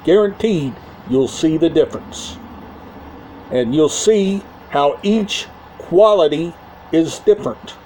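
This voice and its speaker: High voiced guy doing a homemade vlog, real slow n repetitive, bit of background noise. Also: expressive, a little mellow, poor audio. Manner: repetitive, halting short phrases. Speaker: YouTube channel host. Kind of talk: casual talk to camera about a media collection.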